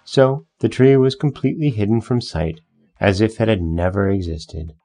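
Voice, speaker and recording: A man narrating a fairy tale in a measured, gentle storytelling manner. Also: lowish voice, faint music behind.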